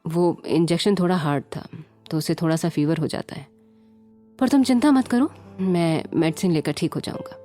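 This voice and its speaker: A calm, protective young man who reassures softly, as a woman narrator voices him. The voice stays close to the storyteller's own. Light music plays underneath. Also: fairly low pitch, normal speed, natural voice. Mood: gentle. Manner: calm and gentle, at times stern.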